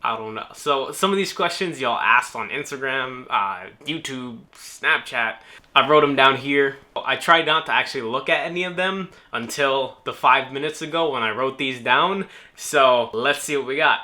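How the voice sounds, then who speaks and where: Here the young man from New Orleans sounds pushed and bright, at medium pitch and a moderate pace. He's doing a casual vlog, tossing off jokes as he responds to viewer questions.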